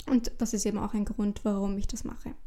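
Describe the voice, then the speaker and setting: Here is a plain, everyday voice. It moves at a fairly quick pace with fairly even intonation. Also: woman. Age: 30s. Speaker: podcast co-host. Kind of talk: casual chat.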